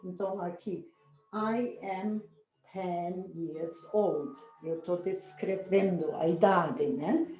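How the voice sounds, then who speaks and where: A Brazilian woman teaching English in Portuguese, reading English model sentences slowly and asking "né?" to check understanding. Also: fairly low pitch, dark tone. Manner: slow, drawn-out model sentences with frequent "né?" checks. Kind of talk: online English lesson. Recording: echoey room with faint music.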